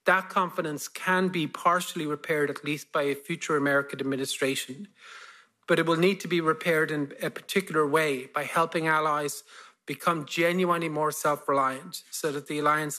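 A man around fifty with an Irish accent, giving a measured policy lecture and then answering questions. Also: fairly high pitch, sharp tone. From Ireland. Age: about 50. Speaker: guest speaker, foreign policy expert.

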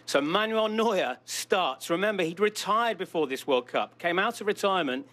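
Chatty, higher-voiced male football pundit. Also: expressive, moderate pace, fairly bright tone. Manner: chatty, enthusiastic. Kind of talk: pre-match analysis.

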